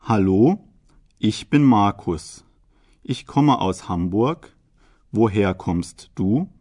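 A man playing a young German from Hamburg in a scripted language listening exercise, speaking deliberately and articulating carefully. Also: lowish voice, expressive, dark tone, breathy edge, no room sound, studio quality, heavily acted. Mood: plain, measured.

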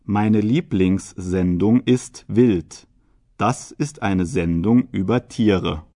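A man playing a young German from Hamburg in a scripted language listening exercise, speaking deliberately and articulating carefully. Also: lowish voice, mellow, no echo, clean studio sound. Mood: plain, measured.

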